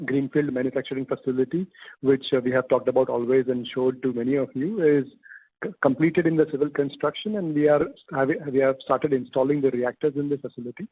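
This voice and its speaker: Husky man on an echoey phone line. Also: medium pitch. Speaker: company executive. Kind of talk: formal business update on an investor call. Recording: echoey, tinny phone-line conference call.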